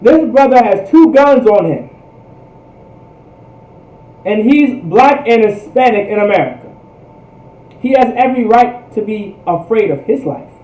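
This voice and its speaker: A man's voice: high voice, animated, unhurried, pauses often, dark tone. A man teaching in a fervent preaching style, emphatic, with repetitive, rhetorical phrasing. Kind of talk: fervent religious history teaching. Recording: echoey room, distant microphone.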